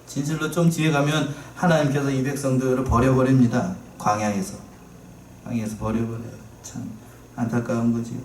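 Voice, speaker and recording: A man's voice: mid-range voice, fairly even intonation, fairly quick, a little mellow, slight background noise. A male pastor preaching a sermon, asking the congregation rhetorical questions and repeating his key phrases in a conversational way. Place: church sanctuary. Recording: echoey church from a distance.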